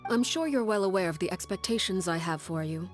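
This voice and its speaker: A woman voicing a stern, composed leader of a family in a video game, speaking calmly and with command in a soft, breathy way. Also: fairly low pitch, faint music behind, lightly acted. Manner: calm, measured and commanding.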